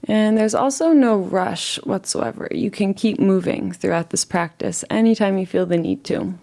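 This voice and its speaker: Gentle and soothing, a woman guides a relaxation meditation at an unhurried pace, leaving long pauses between phrases. Her voice is mid-range with vocal fry.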